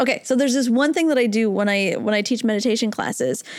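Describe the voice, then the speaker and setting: In a very clean recording with a silent background, a woman speaks with a high pitch. Her tone is animated, with ordinary pitch variation. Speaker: podcast co-host. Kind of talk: casual discussion of scripture. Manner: animated, laughs often.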